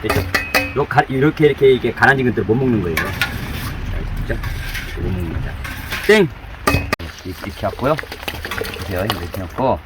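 A man's voice: medium pitch, lively intonation, brisk, pauses often. A male cooking channel host giving a hands-on demonstration, repeating each step aloud as he works. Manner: repetitive running commentary while working, chanting instructions. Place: indoors with downpour outside. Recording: heavy rain noise behind the voice.

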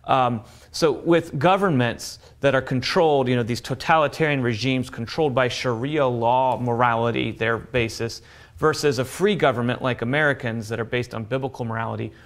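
Young man hosting a studio talk show. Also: mid-range voice. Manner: measured, transitions to a break. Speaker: co-host. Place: television studio.

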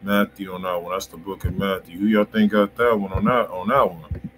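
A man's voice: low-pitched, fairly even intonation, a little fast, slight background noise. A man hosting a music review livestream in casual, slangy talk, swearing freely and repeating himself.

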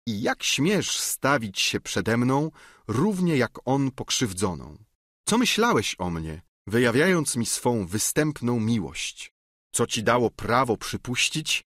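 A man's voice: medium pitch, fairly bright tone, dry recording, studio quality. A man voicing a young noblewoman who feigns desperate fury, reading her lines in an impassioned, declamatory way for an audiobook.

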